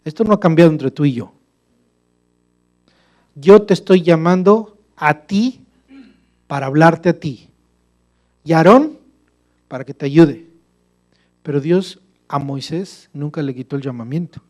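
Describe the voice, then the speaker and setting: A man's voice: on the high side, unhurried, long pauses, a little mellow. Man preaching with rhetorical questions. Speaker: pastor. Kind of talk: sermon.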